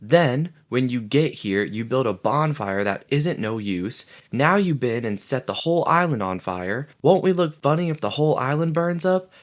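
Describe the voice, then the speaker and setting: A man reading an audiobook, voicing an anxious, plump schoolboy who talks in a high, strained, pleading voice. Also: normal speed, few pauses, sharp tone. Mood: indignant.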